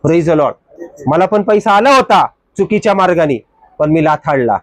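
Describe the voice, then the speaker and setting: Male pastor, high voice, fervent sermon, rhetorical questions and hallelujahs. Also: expressive, normal speed, dry recording. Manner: fervent, asks rhetorical questions, repeats phrases; punctuates with hallelujah.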